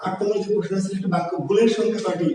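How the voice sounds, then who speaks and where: A man's voice: high voice, steady tone, rapid-fire, dark tone. A man teaching a grammar lecture online, explaining patiently and repeating key words for his students. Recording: roomy echo with long reverb, voice far from the mic.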